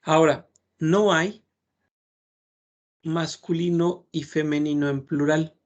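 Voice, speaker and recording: Slow, patient man teaching. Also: a little high, fairly even intonation, muffled recording. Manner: patient, repeats words slowly to model pronunciation. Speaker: French teacher. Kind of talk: classroom lesson explanation.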